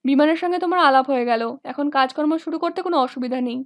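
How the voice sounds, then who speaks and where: A woman voicing a calm, plain-spoken male party worker in a storybook. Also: sits high, quick pace, dry recording, clean studio sound, natural voice.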